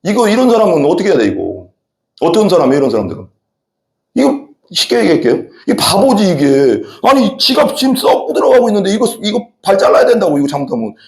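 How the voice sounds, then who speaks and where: A man's voice: sits high, fast talker, creaky. A man preaching a sermon as pastor, talking straight to his congregation and often throwing questions at them. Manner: animated, talks directly to the congregation with frequent questions. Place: church sanctuary. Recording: echoey church hall.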